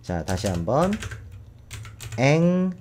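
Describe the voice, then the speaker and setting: Man, teacher, recorded lesson, lively pitch, slow repeated word drills, keyboard typing behind. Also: a little hiss or hum. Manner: explains step by step, models English words slowly and repeatedly. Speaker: English teacher. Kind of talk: recorded vocabulary and pronunciation lesson.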